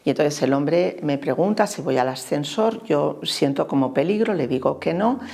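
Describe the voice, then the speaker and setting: A woman's voice: low voice, lively intonation, vocal fry. A woman in her fifties from Spain with a Spain Spanish accent, giving a hesitant, reflective personal testimony. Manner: hesitant, many pauses and soft fillers. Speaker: interviewee giving faith testimony.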